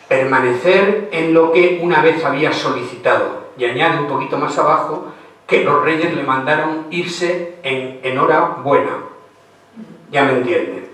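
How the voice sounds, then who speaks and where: An older man from Spain tells history to a live audience with theatrical flair, acting out every scene. His voice sits somewhat high. It reaches the mic from a distance and rings through a reverberant lecture hall. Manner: lively, theatrical, acts out dialogue of historical figures. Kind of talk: storytelling lecture.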